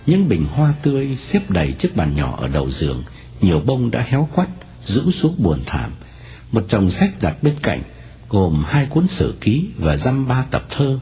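A man narrating a novel aloud in an expressive storytelling manner. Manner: expressive storytelling with wide swings in pitch.

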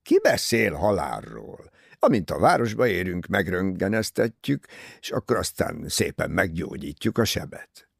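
A man reading an audiobook, voicing a gruff, curt ship's doctor who speaks brusquely. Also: deep voice, sing-song, no echo, clean studio sound, heavily acted. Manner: brusque, snapping.

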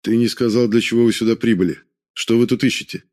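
A man's voice: medium pitch, fairly even intonation, fast talker, darkish tone, voice pushed up, lightly acted. A man voicing an inquisitive foreign army major who questions his prisoner closely. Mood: pressing. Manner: probing, questioning.

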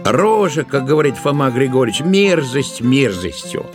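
A man narrating a literary tale for an audio play in an expressive, deliberate way, drawing out certain words. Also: medium pitch. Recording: music behind the voice. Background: musical accompaniment.

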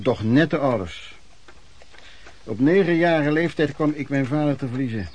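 An actor playing an older, plain-spoken former street vendor and vagrant who reminisces in a radio play, wordy and folksy with quaint old-fashioned phrasing. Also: male voice, fairly high pitch, darkish tone, lightly acted. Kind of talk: radio play monologue in interview form.

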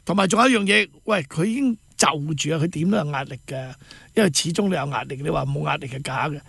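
A man with a Cantonese accent hosting a radio talk show, giving blunt, mocking political commentary and breaking into quick impressions. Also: a little high, creaky, fairly bright tone, husky, no echo.

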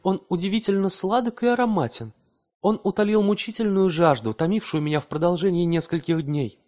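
A man voicing a devoted young wife who speaks with calm, dignified pride. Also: high voice, brisk, voice pushed up, lightly acted. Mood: weary.

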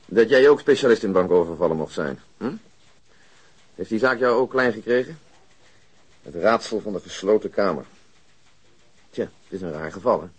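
A man's voice: on the low side, expressive, moderate pace, pauses often, breathy edge. An actor playing a dry, unflappable policeman in a radio drama, matter-of-fact and needling towards his colleague. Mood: dryly teasing. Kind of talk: Dutch radio drama acting, conversational.

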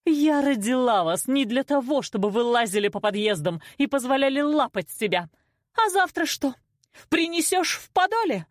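A woman voicing a hysterical middle-aged mother in an audiobook, loud, dramatic and accusing. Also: a little high, animated, normal speed, dry recording, clean studio sound, voice pushed up. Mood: outraged. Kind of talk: audiobook character acting.

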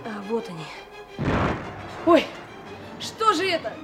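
High, hesitant little boy. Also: big pitch swings, slow, music in the background. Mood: bewildered, frightened. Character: bewildered, nearsighted small boy groping for glasses. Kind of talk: Soviet radio play acting.

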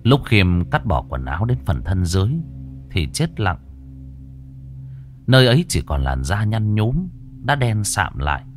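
A man narrates a horror tale in a deep voice. His delivery swings widely in pitch as he dwells on grisly details. Faint music runs quietly underneath. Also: a little slow, pauses often. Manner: vivid, lively storytelling. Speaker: storyteller.

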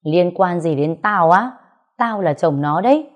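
A woman's voice: lowish voice, lively intonation, normal speed, dark tone. A woman voicing a crude, spiteful brother-in-law who sneers and insults. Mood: contemptuous.

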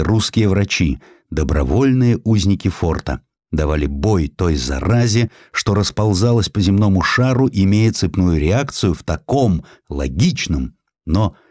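A man with a deep voice narrates literary prose in a dramatic audiobook style. His delivery is deliberate, with measured pauses. The recording is close and dry, as in a studio. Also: a little mellow, no echo.

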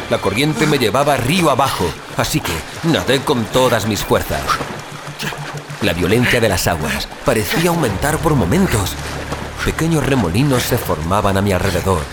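A man's voice: mid-range voice, lightly acted. A man playing an anguished, dazed amnesiac survivor in a first-person audio drama, with theatrical gasps and exclamations.

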